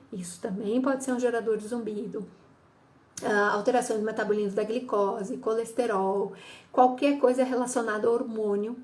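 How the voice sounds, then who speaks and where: A middle-aged Brazilian woman, an audiologist and psychologist, explains what causes ear ringing in a health talk with a teaching tone. She often checks in with a "tá?" and acts out what her patients say, in a somewhat high, slightly mellow voice.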